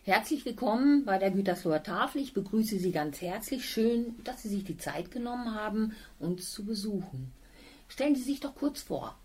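A woman's voice: medium pitch, sing-song, moderate pace, darkish tone, husky. A woman hosting a local charity radio show, interviewing guests in a friendly, encouraging way.

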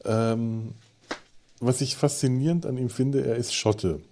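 A man's voice: mid-range voice, fairly even intonation, unhurried, mellow. A man co-hosting a podcast, talking casually with many fillers and restarts. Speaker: podcast host.

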